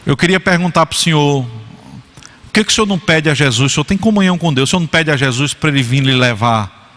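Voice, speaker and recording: A man's voice: a little high, animated, quick pace, fairly bright tone. A man voicing an adult son, himself a pastor, earnestly needling his elderly father, with church hall reverb.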